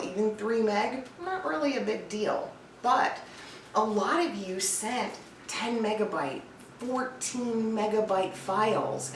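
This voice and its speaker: A woman hosting an advice vlog as a voice-over coach, talking to listeners in a chatty, emphatic, informal way. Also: medium pitch. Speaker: host, voice-over coach and casting director. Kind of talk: scripted-feeling advice vlog to camera. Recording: roomy echo, distant mic, faint noise.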